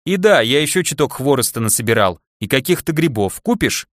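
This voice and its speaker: A man's voice: mid-range voice, expressive, a little fast, dry recording, clean studio sound, close to an everyday voice. A man voicing a cheerful, teasing male craftsman friend in an audiobook. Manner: grinning, teasing.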